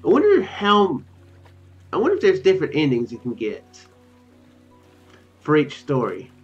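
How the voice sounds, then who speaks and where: A tired young man hosts a gaming video in a loose, hesitant ramble. His pitch moves around a lot as he muses to viewers. The recording is a little dull, with music playing faintly behind him. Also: huge pitch swings, moderate pace. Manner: rambling, hesitant, tentative musing. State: tired, drowsy. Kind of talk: casual game commentary to viewers. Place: small room at home. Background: game music.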